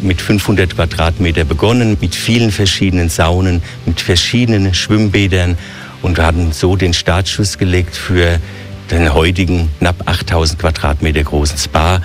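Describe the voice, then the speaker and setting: Deep-voiced man with a Hessian accent. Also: steady tone, moderate pace, faint music behind. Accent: Hessian German. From Hesse, Germany. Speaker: hotel director. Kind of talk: radio interview.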